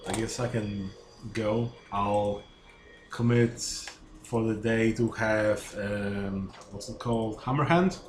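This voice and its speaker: A man's voice: on the low side, slow. A man chatting casually as a player in a tabletop game. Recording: echoey room, faint background noise.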